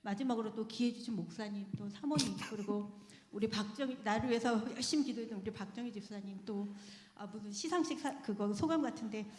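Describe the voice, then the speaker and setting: A woman speaks at a slightly high pitch as she gives a personal testimony before the congregation. She tells her story in a lively way and laughs between phrases. Her voice rings through an echoey church sanctuary with a long reverb tail. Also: fairly quick, few pauses. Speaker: church member giving testimony.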